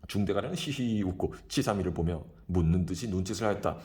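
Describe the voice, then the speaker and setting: A man narrating a classic short story in a brisk, expressive audiobook reading. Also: deep voice.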